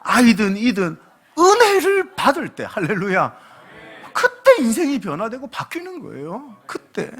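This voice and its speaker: A pastor in his late forties preaching a sermon, his voice swinging widely up and down as he tells stories. He is animated and humorous, slipping into other people's voices as he talks. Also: very high voice, a little slow, breathy edge. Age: late 40s. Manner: animated, humorous storytelling that acts out quoted dialogue. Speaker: guest pastor.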